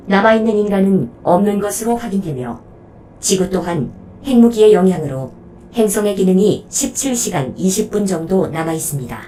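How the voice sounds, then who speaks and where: An actress playing a polite, unflappable combat robot that protects humans, speaking in formal, matter-of-fact reports in an audio drama. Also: female voice, medium pitch, dark tone, distant mic, slight background noise, lightly acted, low-quality recording.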